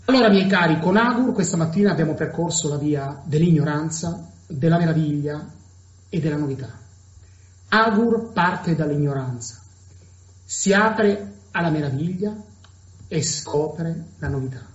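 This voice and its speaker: A man preaches a sermon with a slow, emphatic delivery, setting key words apart with pauses. His voice sits fairly high for a man. The recording is echoey and somewhat dull, as if taken in a big room. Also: expressive.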